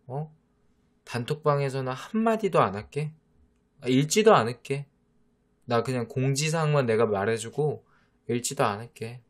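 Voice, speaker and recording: A man's voice: lowish voice, close to an everyday voice. A man voicing a teasing boyfriend who coaxes and mock-scolds his jealous younger girlfriend, in a whispered role-play. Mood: giving in. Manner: teasing, coaxing, mock-exasperated. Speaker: voice actor.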